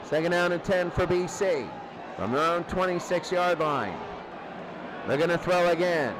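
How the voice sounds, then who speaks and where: A man's voice: high voice, normal speed. A man calling football play by play on the radio in short running calls, repeating downs and scores. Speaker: play-by-play sports announcer. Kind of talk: live American football radio commentary. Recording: loud crowd noise behind commentary. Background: noisy sports crowd.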